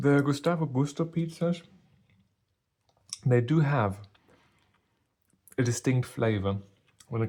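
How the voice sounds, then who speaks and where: At a fairly slow pace, a man talks with a dark, mellow tone, a somewhat breathy voice and ordinary pitch variation. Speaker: food reviewer. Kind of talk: casual food review talk to camera.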